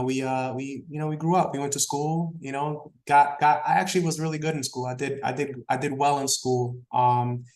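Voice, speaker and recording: A man, a Spanish speaker, talking as an interview guest in a relaxed, rambling way full of fillers. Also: mid-range voice, reverberant, rough recording. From Brooklyn, New York. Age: 30s. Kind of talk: casual interview talk.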